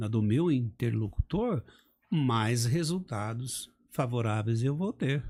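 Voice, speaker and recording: This man speaks at a very slow pace in a dark, mellow, somewhat breathy tone. His medium pitch shows ordinary variation, and the recording is very clean with a silent background. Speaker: public speaking trainer. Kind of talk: podcast interview. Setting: studio.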